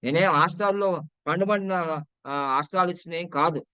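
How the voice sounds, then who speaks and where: A man's voice: high-pitched, a little fast, pushed and bright, clear, resonant tone, dry recording. A man with a Telugu accent giving casual talk on numerology to viewers, chatty and repetitive, often asking them to comment. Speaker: numerology and astrology presenter.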